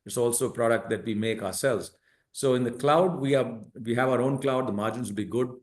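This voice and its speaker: A man speaking as a company executive, giving methodical, explanatory answers on an earnings call. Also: mid-range voice. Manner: measured, methodical, enumerating points.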